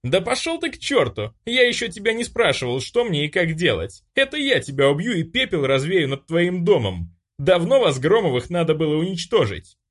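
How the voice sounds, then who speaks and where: A man's voice: fairly high pitch, sing-song, normal speed, few pauses, voice pushed up. A man voicing an arrogant, hot-tempered young male noble mage who shrieks hysterically. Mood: furious.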